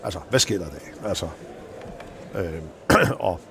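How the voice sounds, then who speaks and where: A man, a former handball coach, telling animated stories in an interview and acting out the people he quotes. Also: low voice, slight background noise. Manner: animated, acts out quoted voices in anecdotes. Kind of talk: anecdotal interview storytelling.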